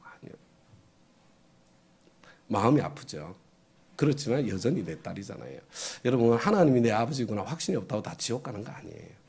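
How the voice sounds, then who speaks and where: A man's voice: mid-range voice, very animated, a little fast, vocal fry, long pauses, a little mellow, slightly rough. A middle-aged man preaching a sermon as pastor, conversational, often asking the congregation questions and chuckling.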